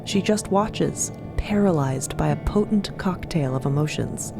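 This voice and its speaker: A woman narrates an audio drama in a slightly low voice. She reads scripted prose as the storyteller, with music running behind her. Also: measured pace.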